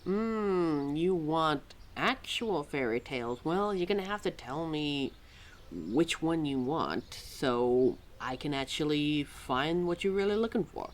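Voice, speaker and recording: An exasperated female keeper of forgotten lore, acted out by a woman in an audio roleplay. She is chatty and sarcastic, with a very lively pitch that swings as she mimics other people and sets the listener straight. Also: slow. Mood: wry, casual. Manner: sarcastic, chatty, heavy sighs and mimicked quotes.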